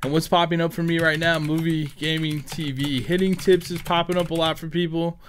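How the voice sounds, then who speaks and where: A man's voice: fairly high pitch, flat delivery, a little fast, a little hiss or hum. A man giving a casual, rambling screen-recorded tutorial as a gaming content creator, thinking aloud as he goes. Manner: informal, rambling, thinking aloud while typing. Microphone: headset.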